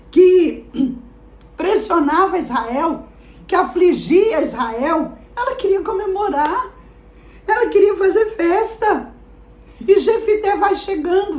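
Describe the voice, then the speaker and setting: An older woman pastor, preaching a dramatic sermon that swings between soft and emphatic. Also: sits high, reverberant.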